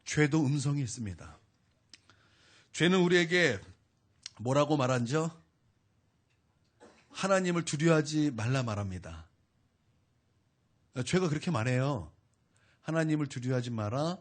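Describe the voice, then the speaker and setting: A man's voice: on the high side, big pitch swings, a little slow, pauses often. A man preaching a sermon as pastor, emphatic and repetitive, putting questions to the congregation. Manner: emphatic, repeats phrases, asks the congregation questions.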